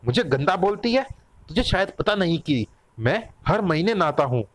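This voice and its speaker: A man voicing a gruff, hot-tempered man of the wolf clan who bosses and threatens. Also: sits high, sing-song, normal speed, no echo. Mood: threatening.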